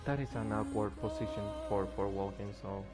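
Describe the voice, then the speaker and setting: A man's voice: on the low side, normal speed. A tired man streaming a game, losing his voice and rambling as he plays, with faint music behind him. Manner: rambling, restarts when moved. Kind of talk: casual gameplay commentary.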